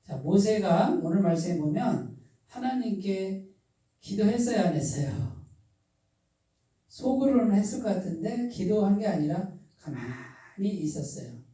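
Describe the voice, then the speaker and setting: A man's voice: sits high, big pitch swings, a little slow, dark tone. A man pastor preaching a sermon, often asking his congregation questions and waiting for their replies. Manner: asks the congregation questions and waits for answers. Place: church sanctuary. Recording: very echoey room, voice far from the mic.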